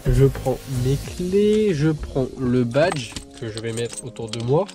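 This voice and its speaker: A man's voice: medium pitch, expressive, takes it slowly. A young man vlogging casually about his summer job, nasal and congested from a cold, rambling with lots of fillers. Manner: chatty, rambling, with many fillers. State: stuffy nose from a cold. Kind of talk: casual vlog chat. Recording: music playing behind.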